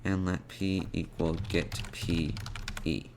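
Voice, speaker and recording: A man presenting an unscripted programming tutorial, thinking aloud in a halting way as he types out code. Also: low voice, steady tone, vocal fry, background noise.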